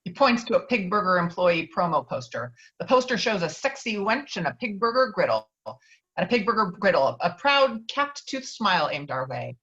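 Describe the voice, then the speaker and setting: A woman narrates the action of a film script at an informal read-through. Her voice sits at an average pitch, and she trips on words and corrects herself. The audio is a little dull and lo-fi. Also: big pitch swings, moderate pace, a bit bright. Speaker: reader of stage directions. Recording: dull lo-fi online call audio.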